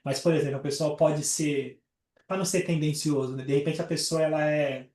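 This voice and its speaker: A man leads a study group on a call and teaches in a relaxed, chatty way. His voice sits a little high. He is heard from a distance in a roomy, echoing space. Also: brisk. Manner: explains with everyday examples, many fillers like "né". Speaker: astrologer leading a study group. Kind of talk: casual teaching talk.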